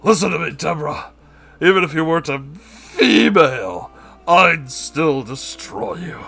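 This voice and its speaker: A man's voice: on the high side, expressive, a little slow, gravelly, pushed and bright, slightly rough, faint music behind, pitched above the performer's own voice, heavily acted. A man voicing a pompous, boastful male neckbeard anime fan who makes grandiose, theatrical declarations in a comedic story reading. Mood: boastful taunting.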